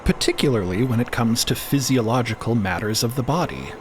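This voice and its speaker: A man's voice: medium pitch, a little fast, background noise. A man narrating scripted audio fiction in a dramatic storytelling style.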